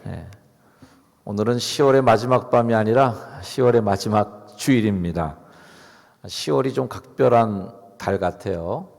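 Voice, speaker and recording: A middle-aged pastor preaches in a church sanctuary, the long reverb of the hall filling the recording. His voice is on the low side, measured in pace, creaky and a little mellow. He keeps the sermon conversational and chatty, asking the congregation questions.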